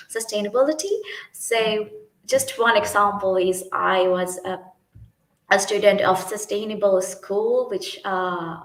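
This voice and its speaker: Young sri lankan woman, sinhala native, bit gravelly, lots of uhs, roomy echo. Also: mid-range voice, a bit bright. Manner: hesitant, many fillers and restarts. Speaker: youth team leader. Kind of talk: livestream talk.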